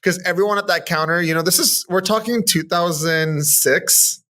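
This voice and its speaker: A man's voice: high-pitched, moderate pace, bright, forceful tone. A man in his thirties from Southern California, chatting upbeat as a podcast guest, full of casual fillers. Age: 30s. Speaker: guest, makeup artist. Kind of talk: casual interview chat.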